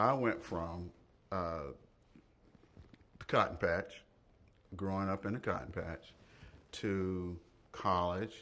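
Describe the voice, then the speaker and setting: Using an American accent, a man with a very deep, low pitch and a bright, sharp tone talks at a very slow pace with long, frequent pauses. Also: ordinary pitch variation. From North Carolina. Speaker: textile executive. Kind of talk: interview answer. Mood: calm, thoughtful. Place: street.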